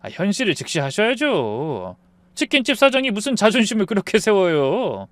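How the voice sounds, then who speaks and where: A man voicing an arrogant, drunk husband who sneers and shouts in a high, strained voice. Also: sing-song, moderate pace, no room sound. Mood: sneering.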